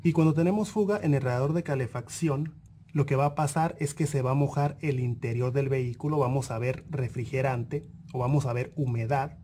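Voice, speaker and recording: A man calmly walking through a car engine repair lesson, pointing out parts one by one and repeating key points. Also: medium pitch, a little fast, slight background noise. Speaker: auto mechanic instructor. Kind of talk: explanatory car repair tutorial voice-over.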